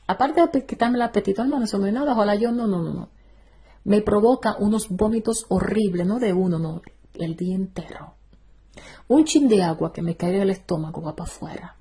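Fervent woman evangelist, husky warm voice. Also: mid-range voice. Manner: fervent, breaks in with praise exclamations. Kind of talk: personal testimony sermon.

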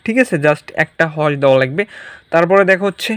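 Working as an online tutor, a young man gives an exam-prep language lesson casually, repeating "ঠিক আছে" ("okay") and mixing in English words. His fairly high voice is expressive, clear and resonant, and he talks fast. There's no echo in the recording.

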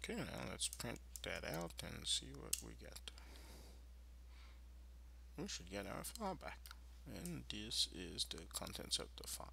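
A man with a very creaky, fairly low voice narrates an informal screencast tutorial. His tone is sharply bright and he explains haltingly, as if working it out while he goes. There is faint noise behind him. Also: very animated. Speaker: programming tutorial presenter.

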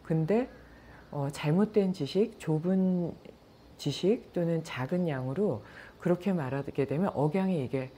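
A middle-aged yoga teacher talks to her viewers in a low, warm voice. She tells stories calmly and acts out what people said. A faint noise sits under the recording. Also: measured pace. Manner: anecdotal, calm, with acted-out quotes. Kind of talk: casual talk to viewers.

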